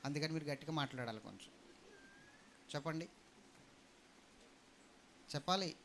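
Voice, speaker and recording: A male pastor preaching a sermon in a church, calling out questions to the congregation and swinging between emphatic peaks and quieter stretches. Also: fairly high pitch, expressive, normal speed, a little hiss or hum. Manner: preaching with call-and-response to the congregation; rising and falling emphatic delivery. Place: church hall.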